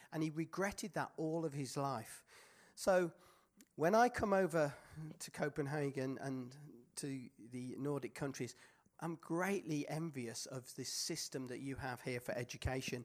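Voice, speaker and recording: An English accent at a fairly slow pace in a very clean recording with a silent background. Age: 50s. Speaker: pastor. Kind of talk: sermon. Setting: stage with audience.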